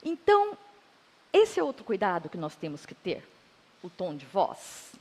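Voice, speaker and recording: A woman's voice: mid-range voice, wildly swooping pitch, unhurried. A woman with a Brazilian Portuguese accent in a spiritist talk, reflective and affirming as she retells edifying stories. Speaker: spiritist lecturer. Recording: reverberant hall.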